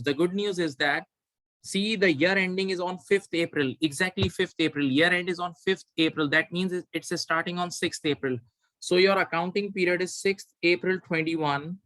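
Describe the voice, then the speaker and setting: A man's voice: on the high side, fairly bright tone, dry recording, poor audio. A man teaching a live online exam revision class as an accounting tutor, instructing step by step and repeating key phrases for emphasis.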